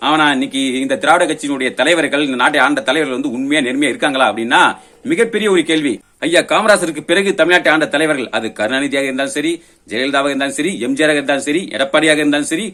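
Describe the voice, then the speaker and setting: A man's voice: on the high side, fairly bright tone. A man giving a confrontational political monologue, firing pointed rhetorical questions in an accusatory way. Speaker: political commentator. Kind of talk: political monologue rebutting an opponent.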